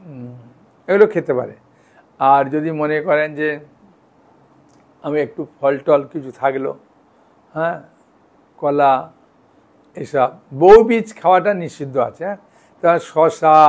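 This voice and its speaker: A man giving a devotional lecture as a monk. He talks in a conversational, reassuring way and often checks in with his listeners. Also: fairly high pitch. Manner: conversational, reassuring, checks in with "hyan" and "thik ache".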